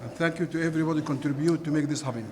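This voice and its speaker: A man from Sudan answering interview questions about a training, in simple, halting sentences. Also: fairly high pitch, fairly even intonation, noisy background.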